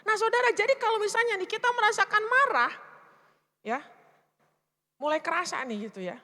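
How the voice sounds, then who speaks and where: Bright high-voiced woman preaching casually. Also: a little fast. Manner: lively, chatty, keeps asking the congregation questions. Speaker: church speaker and counselor. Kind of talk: casual conversational sermon. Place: church hall. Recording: reverberant church hall.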